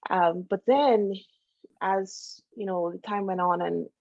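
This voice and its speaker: A middle-aged woman from Trinidad and Tobago chats casually as an interview guest, often pausing on "you know." Her voice has a noticeable fry. The sound is dry and a little dull, like a modest home setup. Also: medium pitch, darkish tone, no echo. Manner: chatty, many "you know" fillers. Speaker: guest, doctor and founder.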